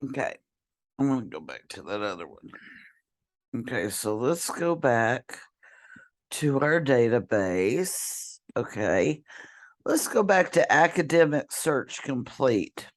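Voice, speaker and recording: Brief: hoarse woman, voice half gone, slow unhurried screen-share tutorial, throat clearing, computer mic. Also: rumbling low, big pitch swings. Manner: slow, halting, clears throat often, apologetic. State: losing her voice, hoarse and whispery. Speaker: college librarian or instructor.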